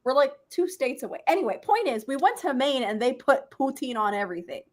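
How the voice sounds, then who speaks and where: A young woman hosts a relaxed stream, giggling often and reacting to viewer comments. Her voice is high and swoops widely as she talks. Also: a little fast. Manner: giggly, animated, reads chat aloud. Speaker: host of a reading stream. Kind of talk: casual chat with viewers.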